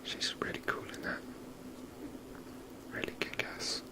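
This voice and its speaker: A person whispering rambling, unhurried ASMR commentary while playing a video game. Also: rough recording. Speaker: game streamer.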